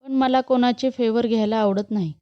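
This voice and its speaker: A woman's voice: on the high side, fairly even intonation, a little fast, clean tone, dry recording, highs cut off, natural voice. A woman voicing a polite but guarded young female employee who speaks formally to her boss. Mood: polite, firm. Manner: polite, formal, addressing him as sir.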